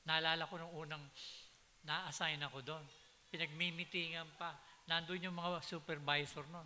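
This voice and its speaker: A man's voice: fairly high pitch, little pitch movement, moderate pace, pushed and bright. A man preaching a sermon in a church, telling stories and switching into English phrases, building to emphatic peaks. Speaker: pastor. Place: church hall. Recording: hiss and long hall reverb.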